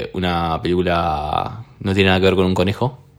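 Through noticeable background noise, a man with a very deep, low pitch talks at a fairly quick pace. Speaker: podcast co-host. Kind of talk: casual chat.

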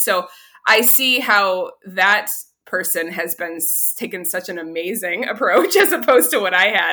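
Bright and sharp in tone, a woman speaks at medium pitch with ordinary pitch variation and a moderate pace. The recording is very clean, with a silent background. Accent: Canadian. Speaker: guest with a stutter. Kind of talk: casual interview, personal story.

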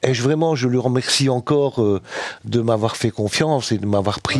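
A man with an unremarkable speaking voice talks at a moderate pace and medium pitch, his intonation varying in an ordinary way. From Belgium, Charleroi, Greek parents. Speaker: jazz bassist. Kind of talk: interview. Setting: streaming studio.

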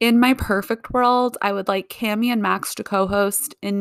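A woman with an ordinary speaking voice talks at a moderate pace with medium pitch and fairly even intonation on a very clean recording with a silent background. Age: 20s. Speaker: podcast host. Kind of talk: casual solo recap monologue.

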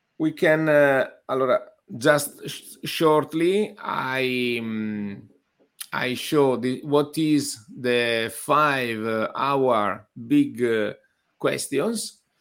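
A man with an Italian accent, a fairly high pitch and a very slow pace. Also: ordinary pitch variation. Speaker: webinar host on viticulture. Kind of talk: webinar interview. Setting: video call. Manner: halting.

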